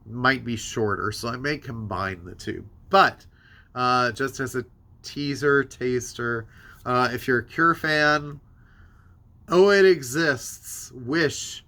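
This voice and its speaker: Bright-voiced congested man, casual rambling host. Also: mid-range voice. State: tired voice giving out. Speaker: host of a music new-release show. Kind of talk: casual rambling product rundown to camera.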